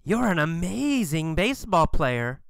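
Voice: medium pitch, big pitch swings, unhurried, gravelly, dry recording, clean studio sound. A teacher voicing a male baseball team manager who politely apologizes while turning someone down. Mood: apologetic. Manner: polite, regretful.

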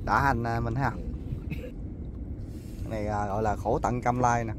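A man hosting a fishing vlog, calling out excitedly to his friends and the viewers from a small river boat. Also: medium pitch, measured pace. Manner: excitable, calls out and whoops. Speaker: vlog host. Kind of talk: excited casual commentary on a fishing trip. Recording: outdoor boat noise.

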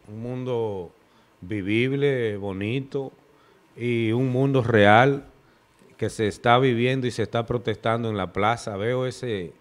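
A man on a TV studio panel, giving measured political commentary into a desk mic. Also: medium pitch. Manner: measured, deliberate, rhetorical. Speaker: panel guest. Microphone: desk microphone.

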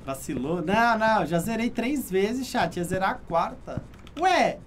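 A man's voice: high-pitched, animated, moderate pace, a little hiss or hum. A man with a Brazilian Portuguese accent giving casual let's-play commentary, murmuring a running checklist of what he sees and talking to his chat. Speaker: gaming streamer.

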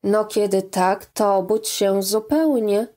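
A woman voicing a kindly, hospitable father who coaxes his daughter in a warm, hearty way. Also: medium pitch, slow pace, natural voice. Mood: coaxing.

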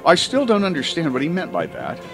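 A man reading a comic first-person story as an audiobook, with dramatic emphasis and drawn-out words. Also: on the high side, wildly swooping pitch, over music. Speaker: audiobook reader.

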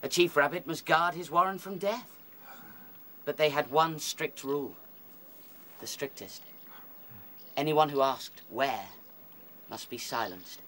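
A man's voice: fairly high pitch, measured pace, pauses often, fairly bright tone, a little hiss or hum. A British man playing a small, intense, insistent rabbit seer in a radio drama. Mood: grave, bitter.

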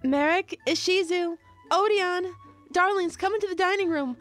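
A woman's voice: very high-pitched, moderate pace, fairly bright tone, soft background music. A woman voicing a cheerful young mother who calls her children in a fond, sing-song way.

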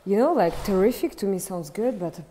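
A woman's voice: mid-range voice, animated, fairly quick, warm tone, a little hiss or hum. Chatty Russian-accented woman vlogging. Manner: chatty, candid, playful. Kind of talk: casual vlog chat. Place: home, gym, then outdoors on a city street. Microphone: phone held at arm's length.

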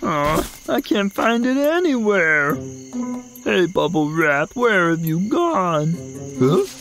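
A man's voice: slow pace, exaggerated voice, low-quality recording. An actor playing a childish, clumsy male cartoon bear who whines and pleads, with music underneath. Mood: curious. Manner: whiny, pleading, high and lively.

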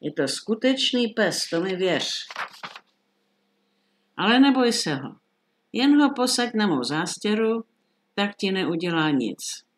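A woman's voice: medium pitch, very animated, pauses often, natural voice. A woman voicing a scheming old witch in a storybook reading, coaxing and secretive. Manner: coaxing, then curt.

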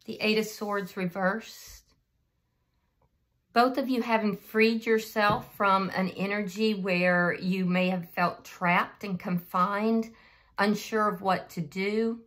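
A slightly hoarse woman giving a casual, unscripted tarot reading and speaking directly to the listener as the channel's host. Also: mid-range voice, fairly even intonation, slow, a bit bright.

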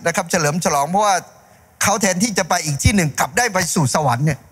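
A man in his fifties preaching a sermon on a church stage, holding a handheld mic, animated and gesturing. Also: sits high, quick pace, slightly rough. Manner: animated, gesturing preacher acting out story voices. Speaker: pastor. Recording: long hall reverb.

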